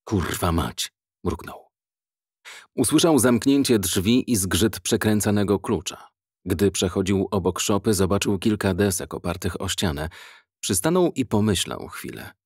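A man reading an audiobook in measured, even scripted narration. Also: fairly low pitch, husky, dry recording, clean studio sound.

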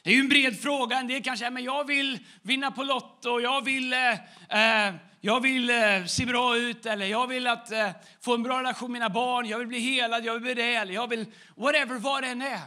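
A man's voice: extremely high pitch, steady tone, few pauses, sharp tone. A man preaching a sermon as the church's pastor, in a conversational way, acting out short everyday dialogues.

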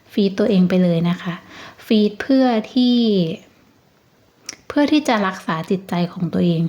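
Woman, tarot reader, casual monologue, gentle and chatty, mid pitch, slightly muffled sound. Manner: chatty, gentle, reassuring, with many fillers.

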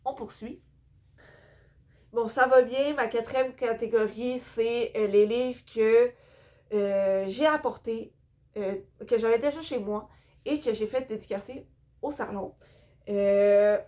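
Chatty young Québécoise, slow and hesitant. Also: female voice, a little high, darkish tone. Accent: Québécois French. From Quebec. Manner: chatty, hesitant, many fillers, tired. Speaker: book vlogger. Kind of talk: casual book haul vlog. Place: indoor room with bookshelves.

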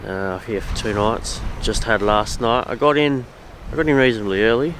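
A man's voice: on the low side, normal speed, a little hiss or hum. A man in his thirties with an Australian accent, chatting casually and rambling a little as he vlogs from a beach campsite, camera held at arm's length. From Western Australia. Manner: relaxed, rambling, repeats himself. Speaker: camping vlogger. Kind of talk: casual outdoor vlog.

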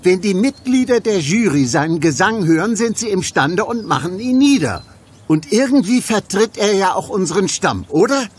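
An actor playing a clever, kindly little Gaulish warrior in a comic audio play, reasonable and soothing. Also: male voice, sits high, lively intonation, moderate pace, husky. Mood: sly, reasoning.

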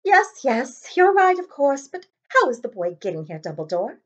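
A woman's voice: high-pitched, very animated, moderate pace, highs cut off, voice pushed up. A woman voicing a stern, worried older female professor in a storybook, urgent and reproving.

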